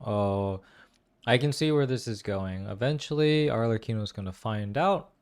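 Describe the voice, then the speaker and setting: A man's voice: on the low side, moderate pace, darkish tone, smooth. A young man giving casual, slangy gaming commentary with lots of exclamations. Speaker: game streamer reacting to a story quest.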